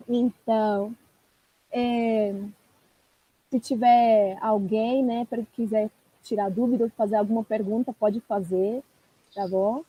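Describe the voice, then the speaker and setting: A woman's voice: on the high side, extremely slow, pauses often, breathy edge, no room sound, muffled recording. A woman, a language teacher, chatting casually on a live stream, laughing often and talking to the viewers. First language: Italian.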